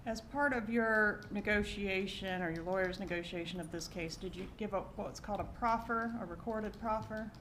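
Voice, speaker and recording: A woman's voice: mid-range voice, normal speed, hardly any pauses, a bit bright. Female prosecutor questioning in a noisy courtroom. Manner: short pointed questions. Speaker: prosecutor examining a witness. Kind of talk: courtroom direct examination.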